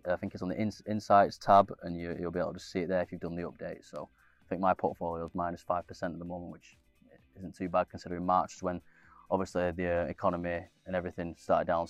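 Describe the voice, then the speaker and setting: A man's voice: low-pitched, dry recording. A young man with a slightly nasal voice from a cold, casually walking viewers through an app on screen with many fillers and restarts. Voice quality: a bit nasal. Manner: rambling, lots of fillers and restarts. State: congested with a cold. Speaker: investing channel host. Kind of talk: casual screen-share walkthrough.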